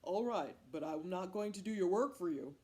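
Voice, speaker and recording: A woman voicing a puffed-up male hunter in a folk tale, pompous and drawn-out in manner. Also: lowish voice, expressive, darkish tone, natural voice. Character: puffed-up, self-important male hunter, secretly afraid of his wife.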